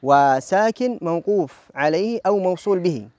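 A man's voice: high voice, expressive, normal speed, darkish tone, dry recording. A man, a recitation judge patiently quizzing a contestant on the rules of Quran recitation and repeating words for emphasis.

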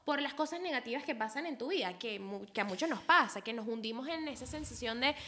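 A young woman with a Venezuelan accent, co-hosting a podcast in casual chat, quick to chime in, on a desk mic. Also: on the high side, animated, sharp tone. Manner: quick, agreeing interjections. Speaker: podcast host. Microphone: desk microphone.

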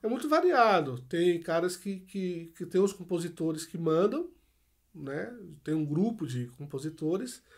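Brazilian man telling studio stories. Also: a little high. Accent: Brazilian Portuguese. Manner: rambling, halting, full of restarts and anecdotes. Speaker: musician, arranger and producer guest. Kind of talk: casual podcast conversation.

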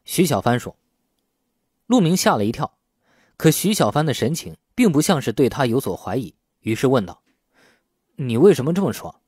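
Animated male audiobook narrator. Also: mid-range voice, moderate pace, slightly rough, dry recording, studio quality. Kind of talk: scripted novel narration with acted dialogue.

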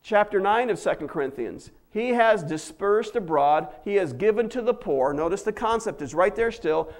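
A man with a notably high-pitched voice, preaching a sermon. He tells homey stories in a casual way, then presses his points with rising emphasis. He sounds middle-aged. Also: expressive, normal speed. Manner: folksy storytelling that builds to emphatic preaching. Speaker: pastor.

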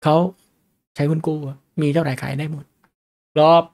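A man teaches investing in a relaxed, conversational way. His voice sits a little high for a man, and he keeps checking in with his listeners with quick questions. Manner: chatty, asks the audience questions often. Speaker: stock market teacher. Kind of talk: casual lecture on stock charts.

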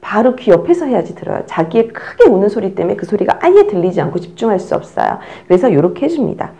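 A middle-aged woman teaching parents how to soothe a crying baby, demonstrating as she talks and sometimes dropping to a soft whisper. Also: medium pitch, fast talker, vocal fry. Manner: animated, demonstrating with an instructor's cues; drops to a soft whisper while the baby settles. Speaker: baby care instructor. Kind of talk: instructional demonstration.

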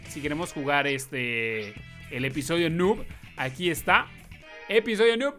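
A man hosting gameplay commentary as a YouTuber, excitable, breaking into loud exclamations and playful yelps. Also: high-pitched. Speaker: YouTube gamer host.

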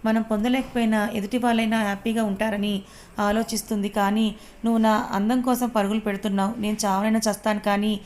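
A brave young woman from a read-aloud story, voiced by a woman narrator, frightened but defiant. She talks quickly and fiercely. Her pitch stays quite even. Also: slight background noise, natural voice.

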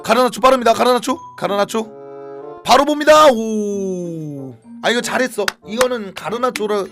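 A man streaming a football match, reacting live with chatty commentary and bursts of shouting at the big moments. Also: high voice.

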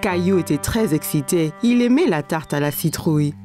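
A woman narrating a children's cartoon as a kindly, expressive storyteller. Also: sits low, normal speed, faint music behind. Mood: storytelling. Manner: expressive, clearly paced storytelling. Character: kindly storyteller narrating a little boy's everyday adventures.

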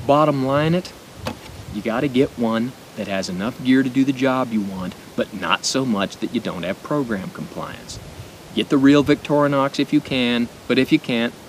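A middle-aged American man with a speech impediment, giving an informal gear demonstration with deliberate pauses. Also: rough recording. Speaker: knife and gear reviewer. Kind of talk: informal product demonstration to camera. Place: outdoors at a picnic table in woods. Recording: outdoor noise with low rumble.

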